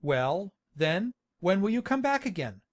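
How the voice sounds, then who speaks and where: A man's voice: high voice, very animated, unhurried. A man playing a hearty, pushy country baronet in a dramatised classic novel, blustering and insistent. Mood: persuading.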